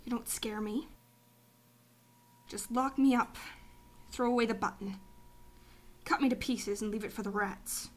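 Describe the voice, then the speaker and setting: Woman acting a slow, high-voiced captive. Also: steady tone, lightly acted. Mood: desperate defiance. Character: defiant captive woman refusing a captor's demands. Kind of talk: radio play acting. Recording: humming noise under the voice.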